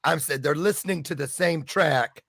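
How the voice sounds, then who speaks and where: A man's voice: on the high side, normal speed, gravelly, fairly bright tone, dry recording, studio quality. A man hosting a casual interview, chatty and joking, sometimes losing his train of thought. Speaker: interview host.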